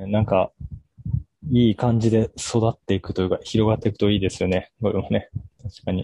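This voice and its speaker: A man talks at a fairly quick pace in a fairly low, dark, mellow, somewhat breathy voice. His intonation is monotone and flat, and the sound is dry and close with no echo. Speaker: media artist. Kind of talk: casual interview conversation.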